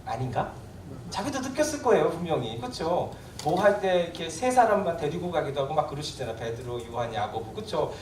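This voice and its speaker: A pastor gives a sermon with a lively, rising-and-falling delivery, talking to the congregation as if in conversation and checking in with frequent questions. The voice sits back from the microphone and rings through a reverberant church hall. A faint hiss of room noise stays under it. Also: mid-range voice, fairly quick. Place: church sanctuary. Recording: echoey church hall, voice from a distance.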